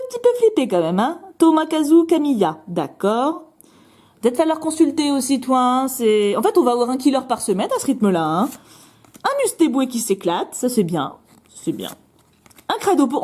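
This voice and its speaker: A bubbly French woman chats away as she opens card packs, her fairly high voice swooping up and down. She jokes at her own expense and throws in quick asides. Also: a little mellow. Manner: chatty, bubbly, self-mocking, quick asides. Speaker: card-opening video host. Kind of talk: casual chat while opening cards.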